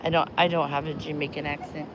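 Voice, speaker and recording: A woman's voice: deep voice, level tone, quick pace. A woman from New Mexico chatting casually on a live stream outdoors at the beach, greeting viewers and rambling between tarot readings. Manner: chatty, bubbly, rambling, laughs easily. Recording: outdoor phone audio, loud wind noise. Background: wind and loud outdoor noise.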